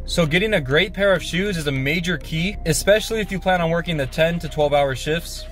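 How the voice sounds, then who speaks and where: Filming himself at arm's length in his car, a twenty-something warehouse worker and YouTuber gives relaxed advice in a vlog. He talks fairly quickly in a slightly high, bright voice over soft background music.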